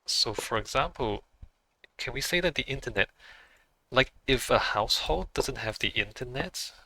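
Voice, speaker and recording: A man's voice: medium pitch, animated, moderate pace, bright, forceful tone, rough recording. A man who is not a native English speaker, chatting casually on a game livestream, thinking aloud and musing with small laughs.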